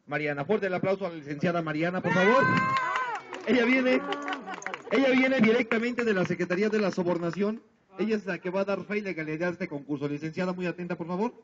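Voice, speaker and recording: A silly party clown, a man, works an outdoor crowd over a handheld microphone. He is playful and showy, stretching out his announcements. The camera audio is dull and lo-fi. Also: high voice. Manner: silly, playful clown showmanship with drawn-out calls for applause. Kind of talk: live children's party entertainment, running a contest on microphone. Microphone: handheld microphone over PA, filmed by distant camera.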